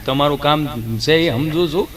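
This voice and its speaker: A man playing a deadpan, stammering friend. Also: fairly high pitch, normal speed, a crowd in the background, pitched below the performer's own voice, close to an everyday voice. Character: nervous, wisecracking male friend.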